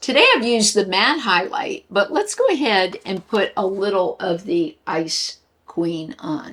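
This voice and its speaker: This is an ordinary speaking voice. The pace is fairly slow. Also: woman. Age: 60s. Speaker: beauty YouTuber. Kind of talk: casual talk to camera.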